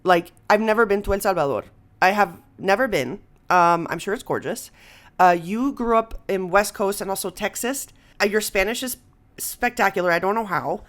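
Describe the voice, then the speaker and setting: Candid woman, mid-pitched voice. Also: moderate pace, a bit bright. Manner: candid, informal, slangy. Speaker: podcast speaker, writer and performer. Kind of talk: casual conversational interview talk.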